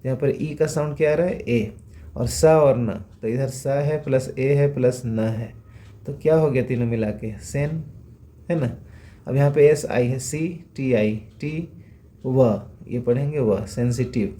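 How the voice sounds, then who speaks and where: A man's voice: medium pitch, measured pace, mellow. A man teaching English reading, patiently repeating sounds and checking in with rhetorical questions. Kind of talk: phonics lesson explained in Hindi.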